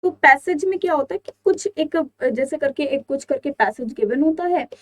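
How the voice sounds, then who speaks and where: A woman's voice: high voice, animated, normal speed. A young woman with an Indian accent teaching an exam-prep vocabulary lesson, explaining each word and asking her students rhetorical questions. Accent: Indian English.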